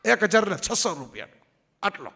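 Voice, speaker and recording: In a large hall, a male public speaker tells stories to his audience in a high, sing-song voice at a moderate pace, gravelly, pushed and bright, with a slightly rough edge. He mimics the people he quotes and keeps asking the crowd "barabar?" to check they're with him.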